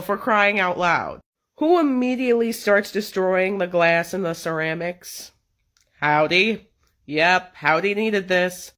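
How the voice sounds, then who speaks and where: A woman giving casual, informal reaction commentary, exclaiming and swearing as she goes. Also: mid-range voice.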